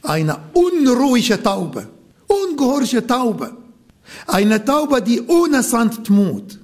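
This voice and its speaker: A man preaching a sermon in a language that is not his first, with an Arabic accent, halting and stopping to search for words and correct himself. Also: extremely high pitch, very animated.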